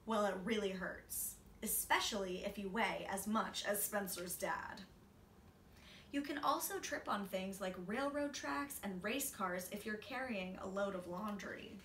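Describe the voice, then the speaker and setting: A woman in her twenties gives an expressive children's read-aloud. Her voice is bright and medium in pitch. The room is audible around her, with faint noise. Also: measured pace, recorded from a distance. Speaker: storybook reader. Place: small indoor room, seated. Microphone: camera a few feet away. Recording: roomy, off-mic, faint noise.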